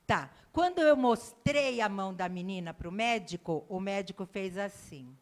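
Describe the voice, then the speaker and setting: A woman's voice: mid-range voice, lively intonation, moderate pace. A middle-aged woman missionary preaching in a church, telling a personal story and acting out the dialogue for the congregation. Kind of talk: sermon storytelling.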